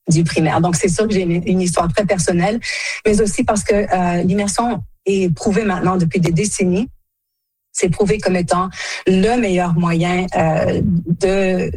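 Middle-aged woman from quebec, kinda husky, lowish voice, lots of euh and restarts. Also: darkish tone, dry recording. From Quebec, Canada. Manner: halting, many fillers and self-corrections. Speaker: association director general, guest. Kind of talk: radio interview answers.

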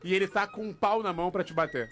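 A man's voice: high voice, quick pace, fairly bright tone, soft background music. A man co-hosting a radio show, teasing a colleague with prank questions. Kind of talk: casual banter on a radio show.

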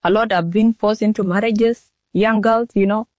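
A nineteen-year-old woman from Sudan, answering interview questions in a halting way with restarts. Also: mid-range voice, fairly even intonation, darkish tone, no echo. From South Sudan. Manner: halting, repeats herself and restarts sentences. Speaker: model being interviewed.

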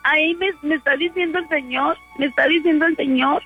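Mujer angustiada y llorosa al teléfono. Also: female voice, high voice, fast talker, faint music behind. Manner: pleading, anxious, repeats herself. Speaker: mother on a phone call. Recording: tinny phone line.

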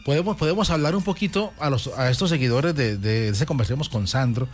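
A man's voice: medium pitch, fairly quick, soft background music. A man hosting a talk show, effusive and affectionate, telling a story to his audience. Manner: effusive, repeats "gente linda", storytelling.

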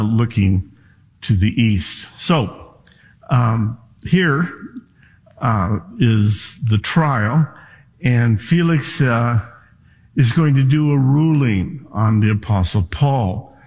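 A man delivering a Sunday sermon as pastor, explaining scripture in a conversational way with frequent pauses and fillers. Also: mid-range voice, darkish tone, slightly rough, in a large hall. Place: church sanctuary.

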